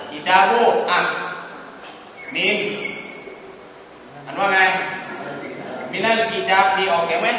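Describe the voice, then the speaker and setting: Bright-voiced male teacher in an echoey hall. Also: sits high. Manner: checks understanding with quick rhetorical questions; spells out sounds syllable by syllable. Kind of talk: classroom lecture. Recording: echoey hall with long reverb, faint background noise.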